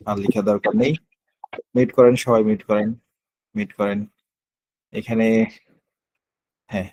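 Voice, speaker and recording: A man's voice: fairly low pitch, dry recording. Man teaching a spelling quiz. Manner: counts down and spells words letter by letter; patient, explanatory. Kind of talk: live online class, calling on students.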